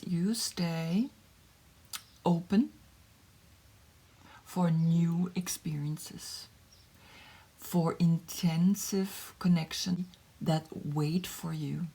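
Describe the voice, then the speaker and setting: Slow, husky woman. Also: lowish voice. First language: German. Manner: slow, soft, drifting into whispers, thinking aloud. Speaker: tarot reader. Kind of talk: meditative tarot reading, partly translated.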